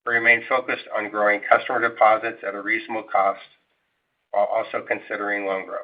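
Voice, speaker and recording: On a thin, tinny phone line, a man with a fairly deep voice reads out prepared financial remarks. He comes across as a corporate executive on an investor call, formal and measured, and his delivery is flat.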